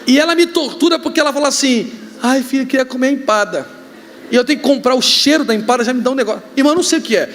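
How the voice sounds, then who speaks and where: A man with a Brazilian accent, a pastor preaching a sermon, joking and telling stories with sudden shouts. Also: very high-pitched, rapid-fire. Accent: Brazilian Portuguese. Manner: joking, animated storytelling with shouts. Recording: reverberant hall, faint ambience.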